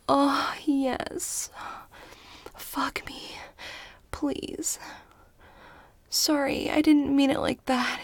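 A young woman whispering and pleading softly into a close microphone in an adult audio roleplay. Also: sits high, dry recording. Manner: mostly whispered, pleading and breathy.

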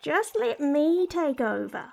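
A woman's voice: high voice, expressive, slow, vocal fry, darkish tone, exaggerated voice. A woman voicing a crude, lustful female creature in a comedic audio roleplay, blunt, bossy and sardonic. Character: brash, crude, lustful female talking body part.

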